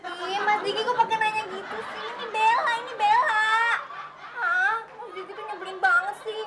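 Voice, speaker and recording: A whiny, clingy girl with a very high voice. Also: fairly even intonation, normal speed, over a noisy crowd, very noisy. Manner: whiny, pleading, coy. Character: clingy, whiny young woman. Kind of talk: sitcom acting.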